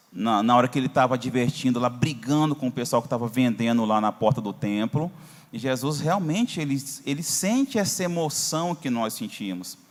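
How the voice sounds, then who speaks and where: A man with a Brazilian Portuguese accent, a pastor teaching a Bible class in a conversational way, often checking in with the class. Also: mid-range voice. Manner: conversational, asks for verses on screen, frequent "tá?". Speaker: Sunday school teacher, pastor. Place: church hall. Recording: hall reverb.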